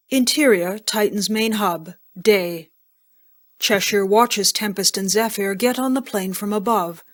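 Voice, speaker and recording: A woman's voice: mid-range voice, no room sound, studio quality. A woman reading scene directions as scripted narration for an audio drama.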